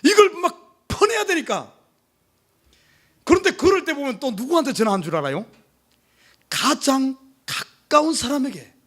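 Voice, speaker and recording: A male pastor preaching to his congregation, emphatic, with many rhetorical questions, swinging from urgent pleas to hushed asides. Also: very high-pitched, wildly swooping pitch, normal speed, pauses often. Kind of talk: sermon. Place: church service.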